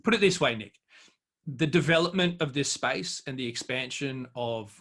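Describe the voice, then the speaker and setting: Bright, forceful man, halting delivery. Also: mid-range voice. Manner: halting, searching for words. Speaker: guest cryptocurrency expert. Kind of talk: off-the-cuff interview commentary.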